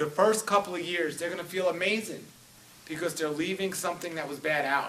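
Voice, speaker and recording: A man with a New York accent speaks at a high pitch, with audible room echo and noticeable background noise. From US Northeast (New York City). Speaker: raw food author and speaker. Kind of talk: public talk to live audience.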